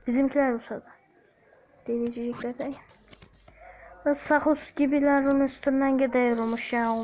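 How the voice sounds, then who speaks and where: A woman's voice: high voice, flat delivery, normal speed, a little mellow, rough recording. A young woman playing a video game, chatting jokingly to her viewers in a put-on Black Sea Turkish accent. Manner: joking, chatty, talks to viewers, hums snippets. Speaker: gaming YouTuber. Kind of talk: casual gameplay commentary.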